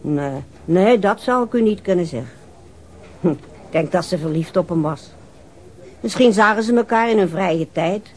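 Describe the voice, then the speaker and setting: An actress playing a cooperative, chatty ship's waitress in a Dutch radio drama, helpful and thoughtful. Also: female voice, on the low side, animated, normal speed, a little mellow, natural voice. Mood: musing.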